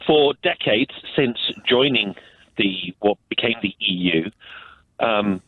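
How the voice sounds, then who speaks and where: Male caller, low voice, hesitant delivery, heard over a tinny phone line. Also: animated, dry recording. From United Kingdom. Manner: hesitant, halting, many fillers. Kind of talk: radio phone-in call.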